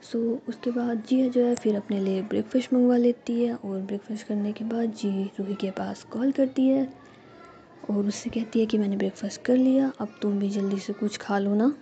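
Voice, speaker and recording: Woman storyteller, soft whispered delivery, very dark tone, muffled lo-fi sound. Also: on the high side, steady tone, a little hiss or hum. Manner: soft unvoiced whisper, acting out quick dialogue. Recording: dull lo-fi sound.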